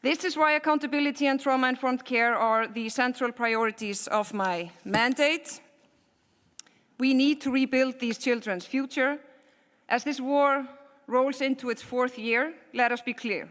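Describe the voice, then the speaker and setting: A woman delivering a prepared speech at a high-level panel, in a measured, rhetorical cadence with repeated phrases. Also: fairly bright tone. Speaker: speaker at a parliamentary panel. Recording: long hall reverb.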